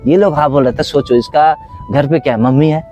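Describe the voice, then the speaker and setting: A man's voice: fairly high pitch, fairly even intonation, fairly quick, mellow, dull audio, faint music behind. A man who teaches dance, talking philosophically in an outdoor conversation and acting out little scenes in other voices. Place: outdoors under a tree.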